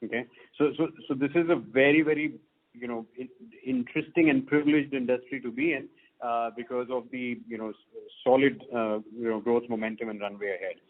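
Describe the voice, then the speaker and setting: A man's voice: medium pitch, fairly even intonation, a little fast. A man with an Indian accent speaking as a company executive on a conference call, answering off the cuff and repeating words for emphasis. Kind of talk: spontaneous business question-and-answer. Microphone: conference call line. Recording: tinny, band-limited phone line.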